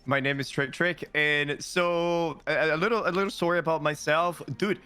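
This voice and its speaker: A man from Cuba co-hosting a podcast, telling stories in an animated, casual way. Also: a little high, moderate pace, clear, resonant tone, faint music behind. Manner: animated, informal storytelling. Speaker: podcast co-host.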